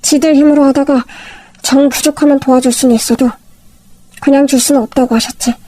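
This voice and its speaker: A woman's voice: high-pitched, fairly even intonation, brisk, mellow, natural voice. Woman reading a firm aggrieved husband. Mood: firm resigned. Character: aggrieved middle-aged husband, eldest brother, firm.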